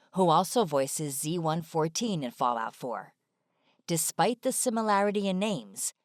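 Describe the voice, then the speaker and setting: Casting: female explainer narrator, slightly deep, scripted informational read, dry studio voice-over. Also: no echo.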